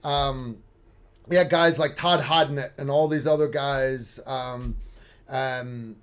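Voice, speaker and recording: A man hosting a casual livestream, talking in a relaxed, unhurried way with frequent fillers. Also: mid-range voice. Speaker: livestream host.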